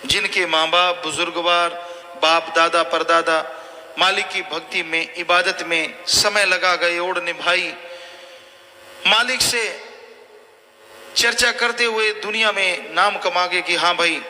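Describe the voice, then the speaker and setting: A man's voice: high voice, fairly even intonation, takes it slowly, bright, forceful tone. A man preaching a sermon, warning his listeners again and again. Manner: exhorting, repetitive warnings. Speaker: spiritual preacher. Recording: long hall reverb, faint noise.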